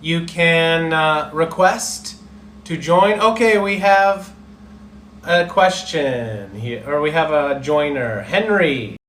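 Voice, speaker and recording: A man's voice: on the high side, expressive, slow, fairly bright tone, a little hiss or hum. A man teaching English on a live stream, encouraging his students and often checking in with "okay?". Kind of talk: live-streamed speaking lesson. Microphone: live stream mic. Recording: roomy echo.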